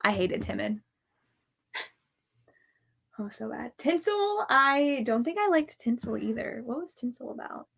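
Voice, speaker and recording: A woman's voice: a little high, lively intonation, unhurried, creaky, long pauses, a bit bright, husky. A woman hosting a live book chat, giving candid, opinionated reviews in a casual way. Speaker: book reviewer and livestream host. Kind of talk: casual chat about books on a live show.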